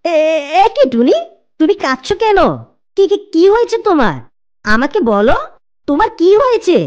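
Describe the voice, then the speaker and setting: A woman voicing a kindly, confident, protective goat in a children's cartoon, with a brisk, reassuring and insistent way of talking. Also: very high voice, very animated, a little mellow, highs cut off. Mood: concerned.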